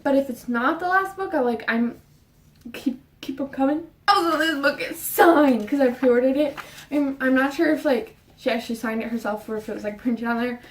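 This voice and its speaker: A young book vlogger with a high voice chats about books in her bedroom, rushed and audibly out of breath. Her talk is fast and rambling, full of fillers and restarts. She sits set back from the mic, so the room sounds echoey.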